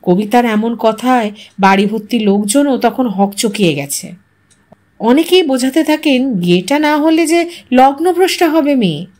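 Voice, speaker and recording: Woman storyteller w a high voice, dramatic audio story narration, expressive. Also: normal speed.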